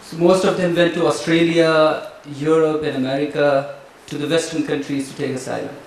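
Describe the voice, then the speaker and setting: A man's voice: fairly high pitch, steady tone, normal speed, close to an everyday voice. A young man from Pakistan, speaking hesitantly with many fillers, into a handheld mic on a stage. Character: young man patiently explaining his background. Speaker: performer in a staged dialogue. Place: large wooden-walled hall. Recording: echoey hall from a distance.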